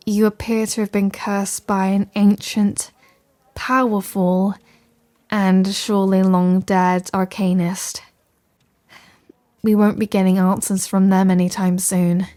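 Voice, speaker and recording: A woman's voice: medium pitch, warm tone, lightly acted. A capable female wizard voiced by a woman in an ASMR fantasy roleplay. She has a mid-range voice and speaks directly to the listener in articulate, bookish phrases. Her manner is caring and reassuring, that of a learned shopkeeper. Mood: thoughtful, measured. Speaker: audio roleplay performer.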